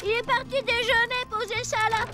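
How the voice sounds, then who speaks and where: A tiny cartoon mechanic creature with an extremely high voice. It is bossy and excitable, chattering in exclamations, with loud music underneath. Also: female voice, normal speed. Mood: busy, excited. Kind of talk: French cartoon dub acting.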